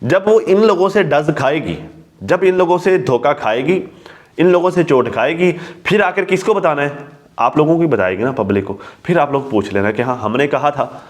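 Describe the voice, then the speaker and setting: A man's voice: on the high side, animated, normal speed. A man talking casually to his viewers, lecturing and often repeating "okay" to drive his point home. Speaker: vlogger.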